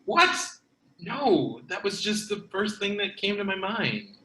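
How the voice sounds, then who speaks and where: A man playing a brisk, scheming video store clerk in a comedy table read, emphatic and comically blunt, in a roomy, echoing space. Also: sits high, very animated, sharp tone, exaggerated voice.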